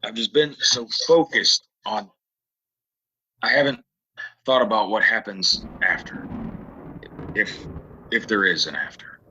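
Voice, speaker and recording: A man playing a weary, guarded gunslinger stranger in a western audio play, halting in his delivery, with a husky low voice. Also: sharp tone, exaggerated voice. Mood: weary, brooding. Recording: dull lo-fi home recording.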